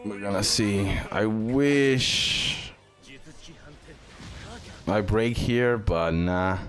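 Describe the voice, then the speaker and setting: Music plays clearly behind a man with a fairly deep voice. He talks through his gameplay at a slow pace, unscripted and casual. He tends to say short phrases several times over, as a gaming video host. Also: a bit bright.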